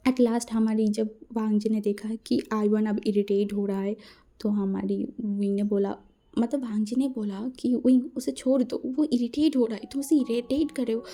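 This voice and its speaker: A woman's voice: on the high side, steady tone, normal speed, dark tone. A woman casually retelling a fan-fiction story as a channel host, chatty and full of filler phrases.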